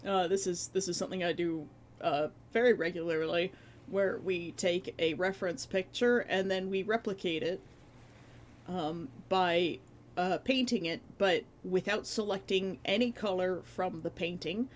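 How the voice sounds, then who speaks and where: A woman's voice: lowish voice, a little slow, slight background noise. Laid-back, rambling woman streamer. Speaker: streamer and artist hosting a live stream. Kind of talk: casual livestream chat.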